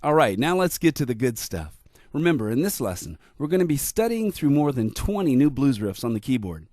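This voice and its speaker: A man's voice: medium pitch, very animated, a little fast, a little mellow, no room sound, clean studio sound. A man giving upbeat, scripted voice-over narration introducing piano lesson clips. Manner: upbeat, promotional.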